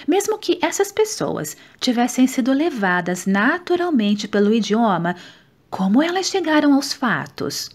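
A woman with a Brazilian Portuguese accent, reading a nonfiction book aloud in a steady, measured way. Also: on the high side. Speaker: audiobook reader. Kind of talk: scripted audiobook narration.

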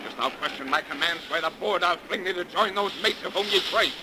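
An actor playing a tyrannical, defiant sea captain, barking archaic lines in bombastic 1930s radio drama style. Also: male voice, sits high, a little fast, natural voice. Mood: imperious. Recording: noisy 1930s radio broadcast recording.

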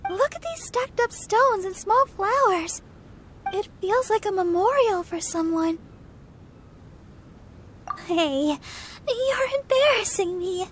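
A woman voicing a sweet, caring teenage girl in a video game, with a light girlish voice and gentle, coaxing manner. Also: extremely high pitch, expressive, takes it slowly, pauses often, a little hiss or hum, full character voice. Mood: bright, curious.

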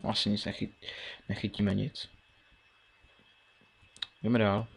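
A teenage man talks his way through a game in a low, gravelly voice. He mumbles and thinks aloud, half to himself, between keyboard and mouse clicks. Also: little pitch movement. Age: teens. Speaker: gameplay commentator. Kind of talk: casual Let's Play commentary.

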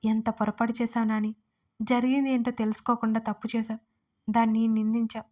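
A stern, scolding old grandmother from an audio story, as a woman narrator puts her on. Her voice sits fairly high, yet it moves within a narrow, flat range. She sounds reproachful and firm. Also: a little fast, lightly acted.

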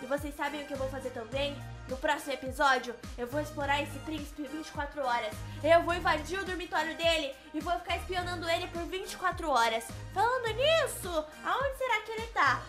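A woman's voice: high-pitched, pushed and bright. A woman with a Brazilian Portuguese accent giving dramatic, playful role-play commentary over a game to her viewers. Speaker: gaming youtuber.

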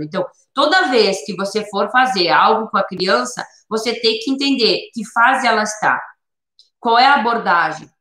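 Bright-voiced woman teaching in an echoey room. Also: medium pitch. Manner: explanatory, repeats points with many "né?" tags. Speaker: Pilates instructor teaching other teachers. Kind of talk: instructional talk.

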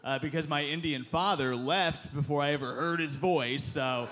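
A man in his thirties doing a stand-up set on a club stage with a handheld mic, punchy and animated, with loud put-on voices. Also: a little high, moderate pace. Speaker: stand-up comedian. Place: club stage before a live audience. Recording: live club recording with crowd noise. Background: audience laughter.

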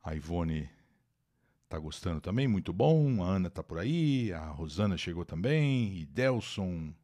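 A man's voice: sits low, very animated, measured pace, dark tone. A man from Brazil hosting a live-streamed English lesson, reading an article aloud, translating it and greeting viewers by name. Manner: chatty, greets viewers by name, explains words and pronunciations. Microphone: new microphone.

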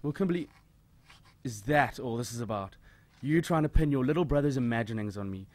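A man's voice: medium pitch, expressive, fairly quick, a little mellow, no echo, close to an everyday voice. Man acting an oily, smug, predatory hairdresser. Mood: smug, menacing. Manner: oily, suggestive, taunting. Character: predatory male hairdresser, leering, smug churchgoer posing as respectable. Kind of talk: audio drama acting.

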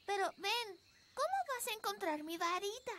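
A woman's voice: extremely high pitch, lively intonation, moderate pace, background noise. A woman voicing an earnest, childlike little fairy princess in a children's cartoon dub. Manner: earnest, childlike, clearly enunciated. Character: sweet little fairy princess girl, earnest and easily upset. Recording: music behind the voice.

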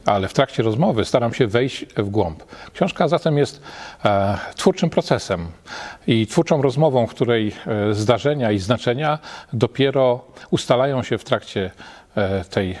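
A middle-aged man, a literary scholar, reflecting at a measured pace and often pausing with hesitations between phrases, recorded with a lapel mic in an empty lecture hall. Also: medium pitch, a little mellow. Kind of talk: reflective spoken commentary.

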